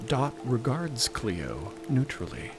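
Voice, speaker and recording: A man's voice: mid-range voice, very animated, slow, over music. A man narrating a scripted audio drama as a dramatic storyteller.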